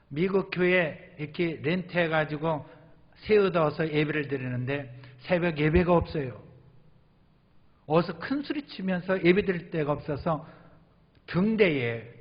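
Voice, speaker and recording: A middle-aged male pastor preaching a sermon, telling his own stories with animated delivery and acting out his prayers. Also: a little high. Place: church sanctuary. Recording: reverberant hall, dull lo-fi sound.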